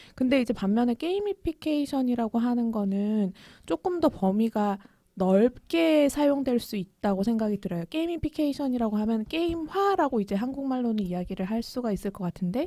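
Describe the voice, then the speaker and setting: With a dark, mellow tone and very wide pitch swings, the speaker talks at a fairly quick pace in a dry, close sound with no echo on a very clean recording against a silent background. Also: woman, high pitch for a woman. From Gyeongsang region, Korea. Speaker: podcast co-host, education specialist. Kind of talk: casual panel discussion.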